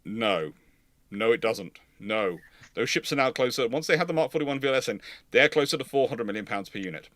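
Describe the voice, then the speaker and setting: A man's voice: medium pitch, animated, a little fast, a bit bright, no echo. A man hosting a history livestream, giving casual expert commentary in an explanatory, digressive and emphatic way.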